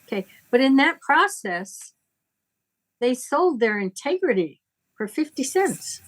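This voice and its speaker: A woman talks conversationally in the role of a spiritual teacher, deliberate and emphatic, with a moralizing bent. Her voice is high-pitched and very animated. The recording quality is low.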